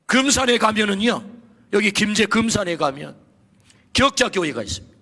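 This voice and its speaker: Animated high-voiced pastor in echoing church. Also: male voice, normal speed. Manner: animated storytelling, swings from soft to shouting. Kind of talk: sermon. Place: church sanctuary. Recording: long reverb of a church hall.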